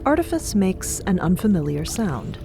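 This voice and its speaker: A woman's voice: mid-range voice, very animated, normal speed, creaky, music in the background. A woman narrating a scripted fantasy audio drama as a descriptive storyteller.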